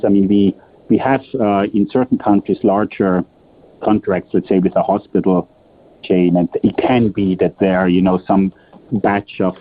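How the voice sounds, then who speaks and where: Low-voiced executive man on phone line. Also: slight background noise. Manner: halting, repeats words, explanatory. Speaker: company executive answering analyst questions. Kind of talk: spontaneous earnings call answers. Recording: muffled, narrow-band phone conference line.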